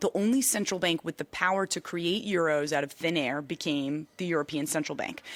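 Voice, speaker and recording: In an ordinary speaking voice, a woman with an American accent speaks at a moderate pace and fairly low pitch, on a very clean recording with a silent background. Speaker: radio reporter. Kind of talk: public radio news reporting.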